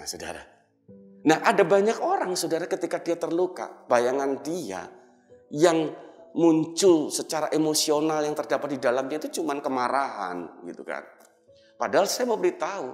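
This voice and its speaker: Animated preaching man, echoey hall. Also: medium pitch. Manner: animated preaching, often addresses listeners as "saudara". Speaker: pastor. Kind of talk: sermon. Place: church auditorium. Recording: echoey church hall with music behind.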